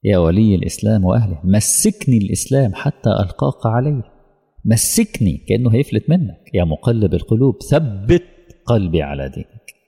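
Egyptian male preacher, low dark husky voice, emotional sermon, long hall echo. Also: sing-song. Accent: Egyptian Arabic. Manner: emotional, slow emphatic preaching that drops to near-whispers.

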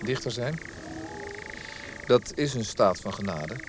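An actor playing an earnest, self-deprecating young poet in a radio play. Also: male voice, mid-range voice, expressive, slow, noisy background. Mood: earnest, resigned. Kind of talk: Dutch radio play acting.

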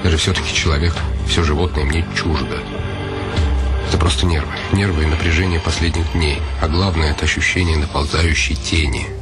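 Brooding, very deep-voiced nobleman. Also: fairly even intonation, brisk. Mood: self-calming, uneasy. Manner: brooding, self-questioning. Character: troubled nobleman, a man, inwardly reproaching and calming himself. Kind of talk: radio drama monologue. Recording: music behind the voice.

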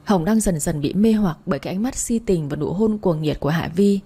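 A woman narrating a romance story in a steady, even way. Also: lowish voice, brisk, husky.

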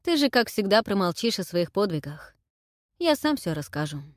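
A woman's voice: mid-range voice, very animated, normal speed, no echo, studio quality, natural voice. A woman voicing a wry, teasing young man.

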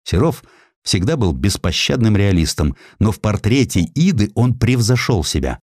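A man with a lowish voice narrates a historical essay like a dramatic audiobook, using expressive, measured literary phrasing. He's recorded on a close studio microphone with no room sound.

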